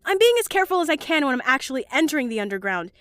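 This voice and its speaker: A young woman playing an anxious, well-meaning student in an audio drama, earnest and given to halting, stammering speech. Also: sits high, very animated, fairly bright tone, no echo. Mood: anxious, rambling. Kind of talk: audio drama acting, emotional monologue and dialogue.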